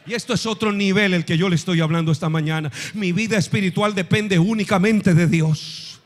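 A male pastor preaching a sermon to his congregation, swinging from hushed asides to shouted passages. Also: sits high, a little fast. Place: church with congregation.

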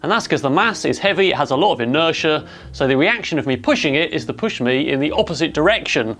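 A man's voice: a little high, lively intonation, fast talker, a bit bright, faint music behind. A man in his thirties with an English accent, narrating his maker project in a matter-of-fact, technical way on a lapel mic. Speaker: maker vlogger. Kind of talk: explanatory voice-over narration. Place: home robotics workshop in an attic. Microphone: clip-on lapel mic.

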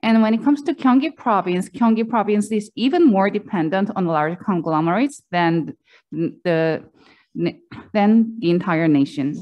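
A woman delivering live consecutive interpretation into English, voicing a presenter's talk in the first person. Her pitch sits mid-range, and she makes small restarts as she keeps pace with the speaker. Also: unhurried, a little mellow. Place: conference seminar room.

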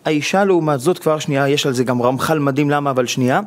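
High-voiced man giving lively marriage advice. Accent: Israeli Hebrew. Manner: animated storytelling, acting out quoted spouses. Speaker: rabbi and marriage counselor. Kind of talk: explanatory talk show advice. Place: television studio.

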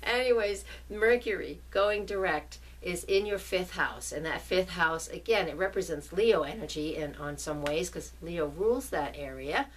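A woman's voice: on the low side, expressive, normal speed, few pauses, slight background noise. A middle-aged woman with a New England accent, an astrologer giving a casual forecast and often checking in with her listeners. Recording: voice a bit distant from mic.

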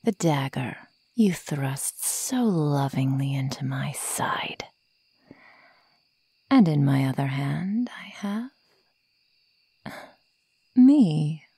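Lady doing a sadistic werewolf girl for asmr, low creaky whispery voice, taunting, super close and dry. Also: animated, dark tone, no echo, full character voice. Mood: cruel, playful. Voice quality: breathy, whispery. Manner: slow, taunting, menacing. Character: sadistic young female werewolf toying with her prey. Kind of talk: ASMR roleplay. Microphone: close microphone, dry.

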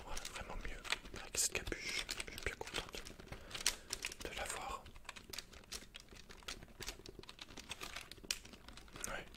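A young man playing a withdrawn, cynical young hacker in a hesitant, murmured ASMR roleplay. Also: natural voice. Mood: withdrawn, awkward. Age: young adult. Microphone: close-up mic, seated at desk.

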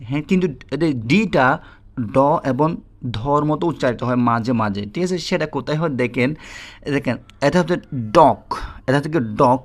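A man with a Bangladeshi Bengali accent teaching a spoken English lesson. He repeats himself, talks straight to his viewers and keeps checking that they follow. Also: a little high. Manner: repetitive, checks in with "ঠিক আছে?"; addresses viewers directly.

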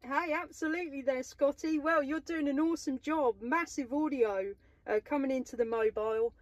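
A woman from England, speaking with a southern English accent, chats enthusiastically on CB radio as a mobile operator inside a parked or moving vehicle. Her voice sits high, moves at normal speed and has no room sound. The talk is casual radio contact chat.

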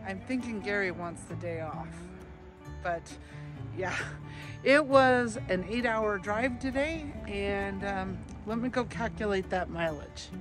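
A woman's voice: medium pitch, slow. A woman in her forties, a travel vlogger, chatting casually to a phone held at arm's length outdoors and inside her RV. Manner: chatty, easygoing, talks to her dogs. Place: outdoors in a parking lot, then inside an RV. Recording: background music under the voice.

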